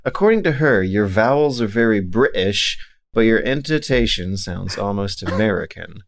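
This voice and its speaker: A man co-hosting a podcast who reads out listener questions and talks in halting starts, repeating his first words. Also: lowish voice, expressive, creaky. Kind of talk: casual podcast chat.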